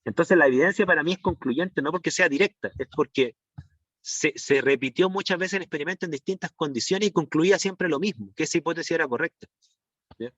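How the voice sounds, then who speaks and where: A man's voice: on the high side, brisk, a bit bright, no echo. A man teaching an online class, rambling through restarts and fillers and checking in with his students. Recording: dull, dry lo-fi stream audio.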